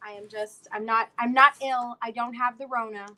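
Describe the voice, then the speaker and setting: A woman's voice: fairly high pitch, fairly even intonation, normal speed, sharp tone. A woman in her twenties hosting a casual livestream chat, rambling with lots of fillers, her voice worn out and nearly gone. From South Florida. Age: 20s. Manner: chatty, rambling with many fillers. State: lost her voice. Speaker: livestream host.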